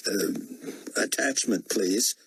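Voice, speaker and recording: A man's voice: on the low side, takes it slowly, a bit bright, husky, pitched above the performer's own voice, exaggerated voice. A man doing an easygoing airline captain.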